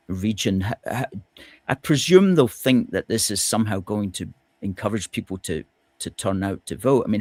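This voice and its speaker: A man hosting a political discussion, measured and questioning, with hesitant fillers. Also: lowish voice, a little mellow, dry recording. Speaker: host.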